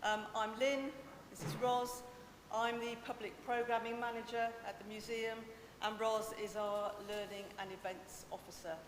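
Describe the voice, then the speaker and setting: A woman museum manager greets a council committee in a loud, upbeat way, her voice slightly high. The chamber is echoey with long reverb, and a clear low rumble sits underneath. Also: fairly even intonation, moderate pace, few pauses. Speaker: museum public programming manager. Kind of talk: introducing a presentation.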